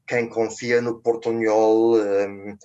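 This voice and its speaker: An older man, a journalist guest in a radio interview, who talks deliberately and pauses often to search for words. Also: on the low side, flat delivery, warm tone, lo-fi sound. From Germany. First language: German.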